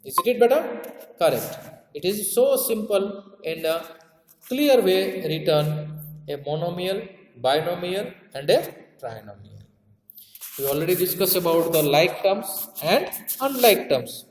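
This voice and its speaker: Echoey South Asian-accented male maths teacher, higher-pitched. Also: animated, a little slow. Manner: repeats key terms and adds tag questions to check understanding. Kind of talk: classroom lesson explanation. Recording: echoey room with long reverb.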